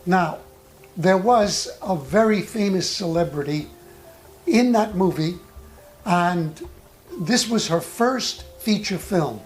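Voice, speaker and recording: Slow, measured acting coach. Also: mid-range voice, lively intonation, faint music behind. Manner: measured, deliberate delivery with thoughtful pauses. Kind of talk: instructional talk with personal anecdotes.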